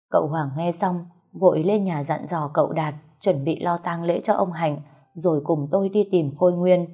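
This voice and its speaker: A woman telling a first-person story with slow, emotional narration. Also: fairly low pitch, mellow, slightly rough. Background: faint music.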